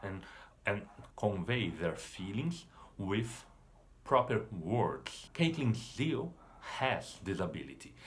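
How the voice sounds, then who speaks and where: Unhurried Brazilian man teaching literature. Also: on the low side, a bit bright, a little hiss or hum. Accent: Brazilian Portuguese. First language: Portuguese. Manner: unhurried, measured, explanatory. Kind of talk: literature lesson to camera.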